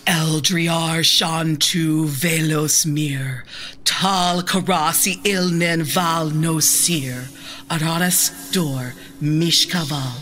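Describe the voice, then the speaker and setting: A woman voicing a mystic who leads a seance, speaking in a solemn, hushed, incantatory way. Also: low-pitched, steady tone, very slow, full character voice. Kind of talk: audio drama acting.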